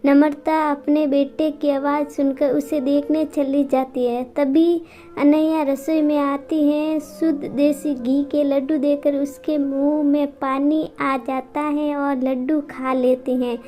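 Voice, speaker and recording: A woman storyteller calmly narrating a family moral tale. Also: high voice, faint music behind. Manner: calm, unhurried reading.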